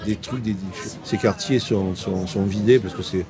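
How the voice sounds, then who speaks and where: A man's voice: fairly low pitch, steady tone, normal speed, music in the background. Older Marseille man, mock-learned. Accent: Marseille French, lightly mixed. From Marseille, France. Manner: mock-learned, playfully grandiloquent. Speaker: interviewee passer-by. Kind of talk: rambling philosophical bar chat. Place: outdoors, urban terrace. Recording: outdoor street noise.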